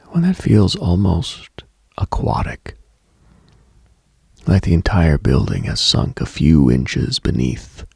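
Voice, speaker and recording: A man hosting late-night radio, delivering a slow, atmospheric monologue in a hushed, deliberate, husky voice that slips toward a whisper. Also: low-pitched, no echo. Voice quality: gravelly, husky, breaking into whisper. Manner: hushed, deliberate, storytelling with pauses.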